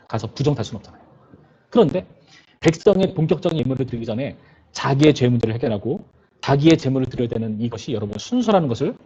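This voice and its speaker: Fast, animated male pastor preaching. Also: mid-range voice, slightly rough, lo-fi sound. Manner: conversational preaching, keeps asking the listeners questions. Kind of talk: sermon to a youth service.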